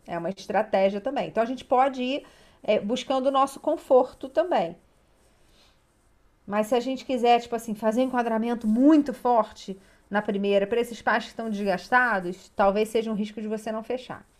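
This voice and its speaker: Woman from Brazil, family coach, casual chat, animated storytelling, somewhat high voice. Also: moderate pace. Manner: animated storyteller, acts out clients' replies. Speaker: child and parent coach.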